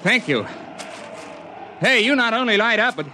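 An actor playing a mountain climber who narrates the story and trades wry jokes, in a radio drama. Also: male voice, extremely high pitch, lively intonation, moderate pace, pushed and bright, a little hiss or hum, full character voice. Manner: wry, joking.

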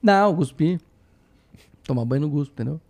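A man telling stories as a guest on a casual podcast, joking and animated, laughing often. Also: on the high side, a little fast.

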